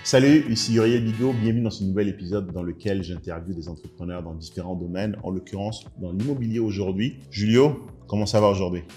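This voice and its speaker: Low, fast-talking male podcast host. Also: mellow, faint music behind. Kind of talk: interview conversation.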